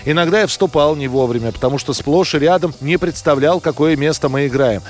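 A man's voice: on the high side, a little fast, a little mellow. A man presenting a history programme, reading scripted documentary narration. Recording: music under the voice. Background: background music.

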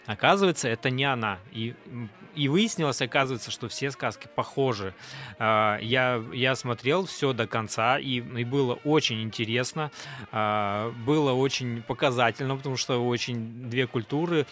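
A man in a casual podcast conversation, speaking in a measured way with hesitations and restarts. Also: mid-range voice, a bit bright.

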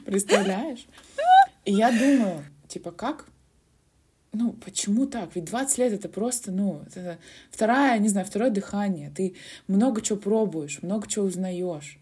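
A young woman near thirty co-hosting a podcast, agreeing warmly and telling reflective stories from her own life. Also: mid-range voice, normal speed, breathy edge. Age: 20s. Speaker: podcast co-host. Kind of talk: casual podcast chat.

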